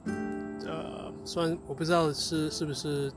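A man with a slightly high voice speaks Mandarin as a foreign learner, with a non-native accent. He talks in a casual, unscripted way, often stopping to hunt for a word or doubling back on a phrase. Music plays clearly behind him. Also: level tone. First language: not Mandarin, a foreign learner of it. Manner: halting, searches for words, repeats phrases. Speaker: co-host, Chinese learner.

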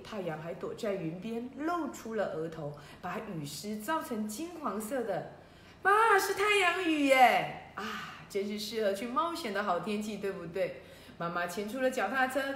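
A woman hosting a children's story show, telling the tale in a lively way and speaking directly to the young listeners. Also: mid-range voice, a little hiss or hum. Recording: roomy echo.

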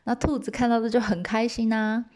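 Brief: a female storyteller, casual and lively, chatting her way through a legend. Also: fairly high pitch, fairly quick. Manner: chatty, lively, asides to listeners.

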